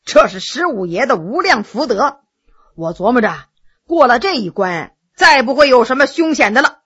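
Woman doing a calm, good-natured male retainer. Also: on the high side, normal speed, husky, muffled recording, full character voice. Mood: soothing. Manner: soothing, gentle.

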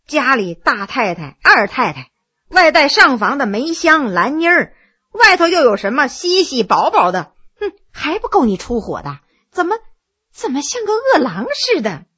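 A woman voicing a sharp-tongued young concubine who scolds and chides, in a told story. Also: high-pitched, sing-song, moderate pace, no room sound, dull audio, full character voice. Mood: chiding. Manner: scolding, chiding.

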